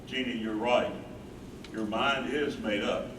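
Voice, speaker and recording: A man playing a concerned, gentle, supportive husband in a staged play reading. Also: on the low side, fairly even intonation, slow pace, far from the mic, over a noisy crowd. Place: live staged reading in a room. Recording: echoey, noisy room from afar.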